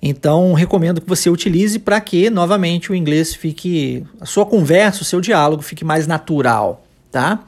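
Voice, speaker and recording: A teacher with a Brazilian Portuguese accent, giving a podcast English lesson and explaining step by step, repeating phrases slowly. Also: medium pitch.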